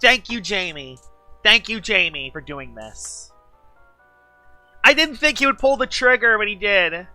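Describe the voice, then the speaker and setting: Woman streamer, gushing and chatty; animated delivery, dry close sound. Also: mid-range voice, a little slow, pauses often, no echo, faint music behind. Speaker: game streamer. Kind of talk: casual live-stream chat.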